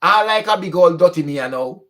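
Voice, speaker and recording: A young man speaks with a strong Jamaican accent in a relaxed vlog monologue. He drifts between standard English and patois as he talks. His voice sits a little higher than most men's. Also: brisk. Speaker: channel host.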